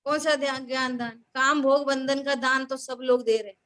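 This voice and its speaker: A woman's voice: high-pitched, fairly even intonation, normal speed, fairly bright tone. A woman teaching a scripture class, who keeps questioning her listeners and repeating key words.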